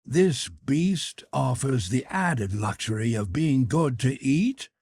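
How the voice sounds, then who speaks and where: A blunt, excitable Canadian whaler from an adventure audiobook, as played by a male narrator. His voice is very husky and jumps around in pitch, exclamatory and eager for the hunt. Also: slow pace, dry recording, studio quality, exaggerated voice.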